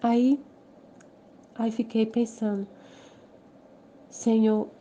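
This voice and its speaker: A woman's voice: a little high, steady tone, normal speed, mellow, a little hiss or hum. A Brazilian woman giving an emotional personal testimony, exclaiming and repeating herself as she talks. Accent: Brazilian Portuguese. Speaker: group member sharing testimony.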